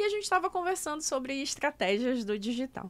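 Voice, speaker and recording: A woman talking at a very fast pace. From Brazil, interior of Pará. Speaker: podcast host, physician specializing in nutrition and weight loss. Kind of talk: casual interview chat. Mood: lively, smiling storytelling. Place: studio. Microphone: studio mic.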